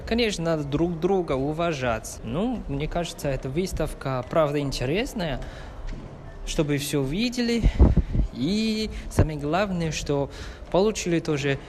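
Slow-speaking man, higher voice. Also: animated, background noise. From Taiwan. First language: Atayal. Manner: slow, searching for words. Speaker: co-host. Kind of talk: casual chat on a museum tour. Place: museum exhibition.

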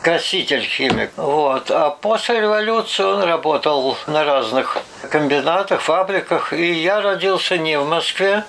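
An older man from Russia recalling his early life for an oral history interview, unhurried and pausing often to gather his thoughts. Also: a little high, creaky, fairly bright tone, poor audio. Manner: unhurried recollection with hesitations and "вот" asides.

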